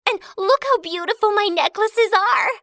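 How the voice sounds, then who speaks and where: A woman's voice: extremely high pitch, normal speed, bright, forceful tone, dry recording, clean studio sound, pitched above the performer's own voice, exaggerated voice. A woman voicing a vain, pushy young stepsister in a children's storybook, squealing and whiny. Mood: gushing.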